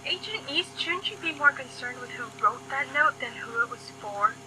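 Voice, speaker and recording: A woman's voice: high-pitched, lively intonation, normal speed, very noisy. A woman playing an anxious, distraught mother in an audio drama, hesitant and pleading in manner. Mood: wary, pointed. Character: distraught, anxious mother whose home was attacked.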